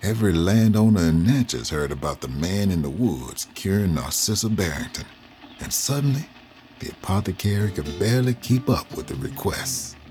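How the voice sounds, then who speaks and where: An actor playing an old freed man from the South who tells his life story slowly and reflectively. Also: low-pitched, expressive, darkish tone, soft background music. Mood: reminiscing. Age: older. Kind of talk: audio drama narration.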